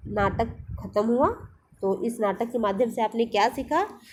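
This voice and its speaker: Patient female teacher, high-ish voice. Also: mellow, breathy edge. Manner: patient, repeats and explains each line. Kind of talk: explaining a textbook lesson.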